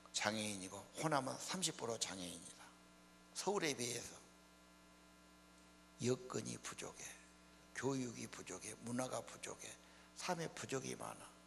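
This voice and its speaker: In a mid-range, gravelly voice with a fairly bright edge, an elderly pastor from the Honam region of Korea gives a folksy sermon. He talks plainly and keeps posing rhetorical questions to his listeners. Reverb from the church hall and a mains hum can be heard.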